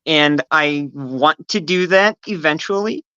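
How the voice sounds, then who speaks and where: A trans woman speaking as a podcast guest, hesitant and soft-spoken with frequent ums. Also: low voice, a little slow, lo-fi sound. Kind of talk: casual podcast conversation.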